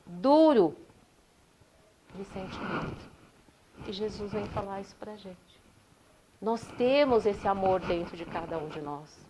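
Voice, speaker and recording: Woman giving a gentle sermon. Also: mid-range voice, lively intonation, measured pace, pauses often, background noise. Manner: gentle storytelling, rhetorical questions to listeners. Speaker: spiritist talk speaker.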